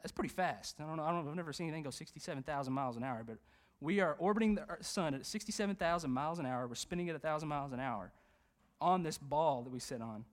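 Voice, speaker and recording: A youth pastor preaches in a church. He talks in an animated, conversational way, full of fillers and jokes. His voice sits slightly higher than most men's. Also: fast talker. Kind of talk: sermon. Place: church sanctuary.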